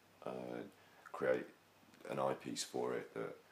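A soft-spoken man is heard over light background noise. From British. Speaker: ASMR video creator. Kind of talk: ASMR talk to camera. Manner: soft-spoken, rambling, conversational. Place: home room. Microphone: phone near.

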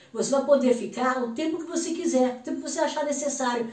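The voice is a woman's, high in pitch. Audible room echo surrounds it. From Rio de Janeiro, Brazil. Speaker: home remedy video creator. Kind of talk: tutorial. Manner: warm, persuasive. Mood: calm, warm, instructive. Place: home room.

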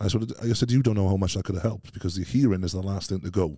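In a Welsh accent, the voice has a dark, mellow tone, and the sound is dry with no echo over a quiet background. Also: man. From Wales. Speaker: strongman athlete; podcast guest. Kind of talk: casual interview. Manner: talkative. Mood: earnest, reflective. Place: studio. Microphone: studio mic.

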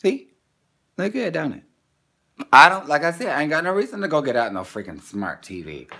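A woman speaks at a fairly quick pace, her tone bright and sharp with vocal fry. The background is quiet. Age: 30s. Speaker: vlogger and minister; vlogger, minister. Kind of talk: casual vlog monologue. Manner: animated. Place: home room. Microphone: phone near.

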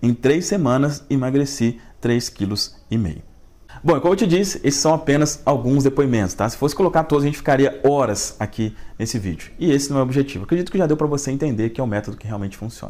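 A man talks at a very fast pace with lively intonation. His fairly high-pitched voice has a dark, mellow tone. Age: 30s. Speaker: mindset coach. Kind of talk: video lesson with sales pitch. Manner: conversational, direct address. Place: home room. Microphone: lapel.

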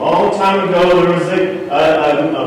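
A man's high-pitched voice in strong room echo, with light background noise. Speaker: speaker, skit narrator. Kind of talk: sermon-style storytelling narration. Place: church.

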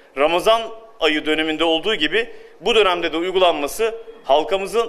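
Here a man speaks at a high pitch. His pace is fairly quick. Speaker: party spokesperson. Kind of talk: press statement. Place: hall. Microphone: podium.

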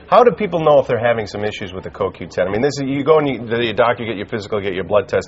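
Noticeable background noise accompanies a man of medium pitch. He speaks at a very fast pace with lively intonation and hardly any pauses. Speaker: TV news anchor. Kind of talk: TV morning news anchor interview.

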